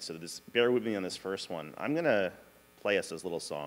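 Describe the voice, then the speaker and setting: An ordinary speaking voice from a man, fairly low-pitched, at a fairly quick pace. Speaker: keynote speaker. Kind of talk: conference keynote talk. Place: hall. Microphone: podium.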